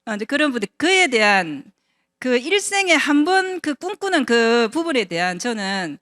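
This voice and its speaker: A woman's voice: on the high side, big pitch swings, moderate pace, a bit bright, no room sound. A woman in her fifties giving a personal testimony at a business seminar, talking conversationally and asking the audience rhetorical questions. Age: 50s. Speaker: invited speaker at a business seminar.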